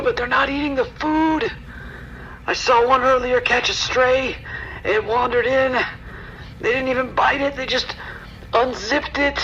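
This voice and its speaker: A high-voiced, terrified trapped survivor. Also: male voice, gravelly, bright, forceful tone, full character voice. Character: terrified trapped man, panicked and horrified survivor. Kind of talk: horror radio drama acting. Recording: dull radio sound with hiss.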